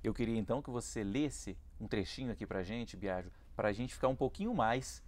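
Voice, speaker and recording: A man's voice: fairly low pitch, lively intonation, fairly quick. A man hosting a TV interview program, asking questions in a friendly way and reading scripted segment links. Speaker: TV show host.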